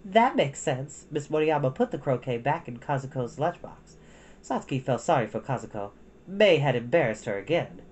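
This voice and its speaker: A woman reading a children's storybook aloud in an expressive narrating style. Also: extremely low pitch, fairly quick, slightly rough. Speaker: storytime reader.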